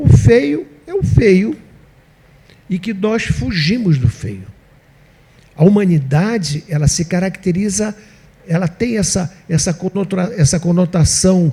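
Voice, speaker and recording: A man speaks very slowly in a high voice. He leaves long, frequent pauses. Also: lively intonation. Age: 70s. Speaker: surgeon and professor. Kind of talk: lecture. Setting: conference.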